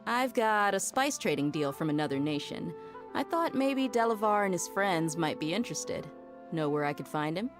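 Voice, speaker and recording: Woman acting an easygoing, animated mercenary. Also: fairly low pitch, moderate pace, over music, lightly acted. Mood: persuasive. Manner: casual, streetwise. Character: confident, easygoing female desert mercenary. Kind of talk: video game voice acting.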